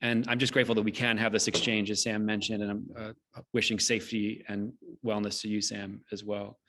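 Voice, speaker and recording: A man's voice: fairly low pitch, flat delivery, brisk, fairly bright tone. A man moderating a thoughtful discussion over a video call. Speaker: moderator and translator.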